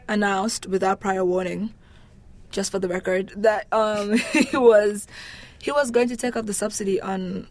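A woman with a mid-pitched voice talks as a guest in a casual interview. She is candid and informal, often driving a point home by repeating it. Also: a little mellow. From Nigeria.

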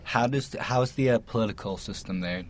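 A man's voice: medium pitch, brisk. A man hosting an interview in a casual, informal way, feeling his way through questions. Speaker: interview host.

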